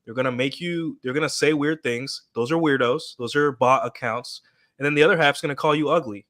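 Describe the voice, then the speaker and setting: Man, bright sharp voice, casual panel talk, explaining. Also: mid-range voice, fairly quick. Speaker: podcast co-host.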